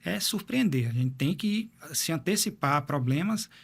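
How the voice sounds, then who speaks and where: A man's voice: fairly high pitch, expressive, normal speed, gravelly, husky. A man, a cardiologist guest explaining heart health in an interview, often repeating words as he thinks. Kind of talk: medical interview.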